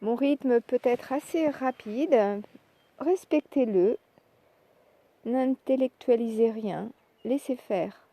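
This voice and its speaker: A woman leading a guided yoga relaxation, speaking calmly and in measured short phrases with pauses. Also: a little high, no room sound. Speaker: yoga nidra relaxation instructor. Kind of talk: guided meditation, soft instructional narration.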